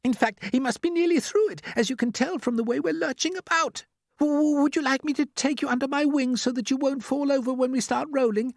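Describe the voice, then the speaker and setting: A woman voicing a kind, gentle female ladybird in a storybook who chatters and stumbles over words. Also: sits high, brisk, creaky, dry recording, studio quality, pitched above the performer's own voice. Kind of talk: storybook reading.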